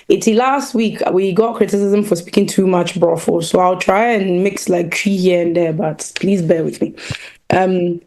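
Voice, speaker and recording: A woman with a slightly hoarse, croaky voice hosts a casual online talk show. She talks in a low, dark register, chatty and a little apologetic. The sound is that of a video call. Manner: apologetic, chatty, laughs between phrases.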